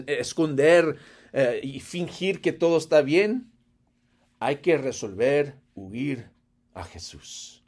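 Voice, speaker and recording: Expressive male preacher, slow and pitched high. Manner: expressive, swings from loud to hushed, laughs often. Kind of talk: sermon.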